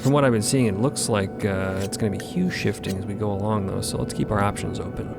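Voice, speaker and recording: A man's voice: on the low side, fairly even intonation, fast, gravelly, over loud music, pitched below the performer's own voice. A man playing an easygoing, encouraging ship's painter in audio fiction, talking in a casual, hesitant, friendly way. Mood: relaxed, musing. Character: easygoing, encouraging painter aboard a supernatural ship. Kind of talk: scripted audio fiction dialogue.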